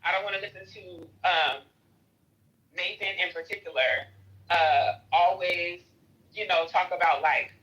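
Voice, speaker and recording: A forceful, bright voice with an African American accent argues in a live audio chat. The delivery is emphatic and combative, peppered with profanity, and comes through thin, radio-like phone audio. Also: mid-range voice, unhurried, muffled recording. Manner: emphatic, confrontational, profanity-laden. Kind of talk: heated argument on a live audio chat app.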